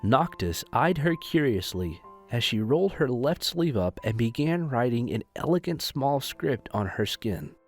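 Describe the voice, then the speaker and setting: A man's voice: medium pitch, sing-song, measured pace, few pauses. A man reading scripted narration for an audio drama. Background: music.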